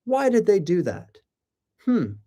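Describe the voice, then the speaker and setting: A man's voice: high-pitched, huge pitch swings, takes it slowly, dark tone. A man chatting casually on a livestream, rambling with sarcastic asides and rhetorical questions. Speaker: live streamer and real estate wholesaler.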